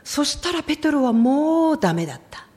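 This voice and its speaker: A middle-aged woman preaching a sermon in an expressive storytelling way, often acting out the lines she quotes. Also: high voice, fairly quick.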